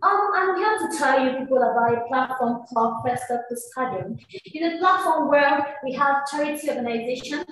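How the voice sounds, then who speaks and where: A woman's voice: high voice, expressive, moderate pace, fairly bright tone. A young woman with a Nigerian accent giving a formal, rehearsed presentation over a video call from an echoey room. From Cross River State, Nigeria. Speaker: contestant. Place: small hard-walled indoor room. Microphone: webcam microphone from a distance. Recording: echoey room, distant mic, background noise.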